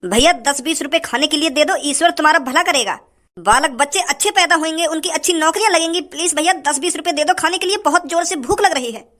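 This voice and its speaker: A performer voicing a hungry young male beggar in a comedy skit, pleading and flattering. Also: high-pitched, quick pace. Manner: whining, flattering pleas.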